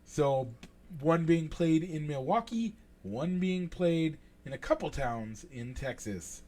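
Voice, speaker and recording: A man hosting a casual sports podcast, upbeat and energetic, his voice a little raspy from allergies. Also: fairly high pitch, slow pace. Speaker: podcast host.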